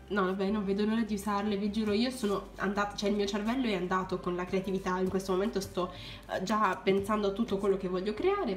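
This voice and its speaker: A young woman who runs a crafts channel, gushing with excitement as she unboxes supplies for viewers. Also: mid-range voice, roomy sound. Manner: gushing, keeps exclaiming in delight.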